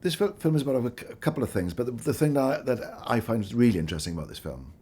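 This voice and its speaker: A man from the Valleys, a film director, speaking earnestly in an interview and pausing often to restart his thoughts. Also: mid-range voice, lively intonation, mellow, slightly rough. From Wales. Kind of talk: reflective interview talk.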